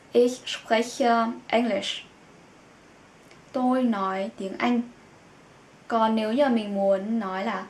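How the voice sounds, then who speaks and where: Slow-paced woman teaching in an echoey room. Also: medium pitch. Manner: explains in Vietnamese, says German words slowly and repeats them. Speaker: German language teacher. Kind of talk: language lesson for Vietnamese learners. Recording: echoey room with faint background noise.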